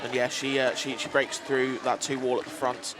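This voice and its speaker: A man co-commentating live roller derby on a headset, easygoing and quick with banter. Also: mid-range voice, flat delivery, a crowd in the background, rough recording.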